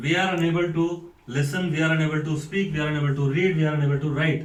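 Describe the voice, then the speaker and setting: Speech at a moderate pace in an Indian accent, with audible room echo. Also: man. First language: Hindi. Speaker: school principal and English teacher. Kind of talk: video lesson.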